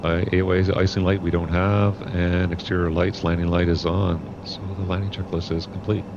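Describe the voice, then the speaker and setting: Deep-voiced man on a cockpit headset. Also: a little fast. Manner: calm, methodical checklist talk. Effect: pilot talking through a cockpit headset mic. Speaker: flight sim streamer playing pilot. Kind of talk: cockpit checklist callouts and casual commentary. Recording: muffled headset audio over loud aircraft hum.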